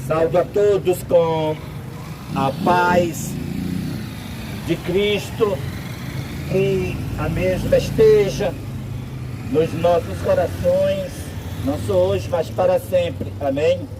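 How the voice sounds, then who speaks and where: A Brazilian man preaching a sermon outdoors, speaking in slow, deliberate, drawn-out phrases. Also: high-pitched. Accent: Brazilian Portuguese. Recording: outdoor street noise with traffic.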